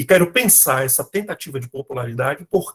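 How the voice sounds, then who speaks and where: A somewhat breathy male voice with ordinary pitch variation, dry and close with no echo. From Bahia, Brazil (Feira de Santana). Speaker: doctoral student presenting research. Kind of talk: academic conference paper reading; conference talk introduction.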